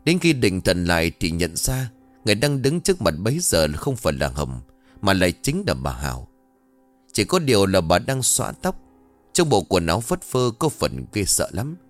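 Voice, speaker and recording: A man narrating a scripted ghost story in an expressive, dramatic way. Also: deep voice, moderate pace, soft background music.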